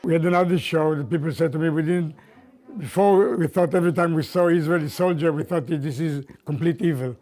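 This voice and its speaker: Interview subject, man, slightly higher voice, halting and repetitive phrasing. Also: a little mellow. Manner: halting, repeats words while searching for them. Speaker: theater director interviewed. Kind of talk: interview answers.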